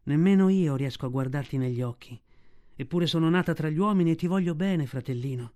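A man's voice: fairly high pitch, a little fast, dark tone, natural voice. Man voicing Bagheera, tender panther. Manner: tender, grave storytelling tone. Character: black female panther, protective and proud.

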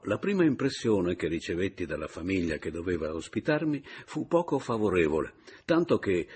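A man narrating a literary novel as an audiobook reader, with expressive, varied intonation. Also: low-pitched, husky.

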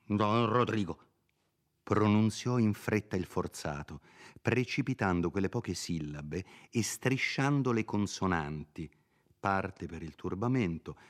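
A man reading a classic novel aloud in measured literary narration. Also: sits low, animated. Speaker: reader.

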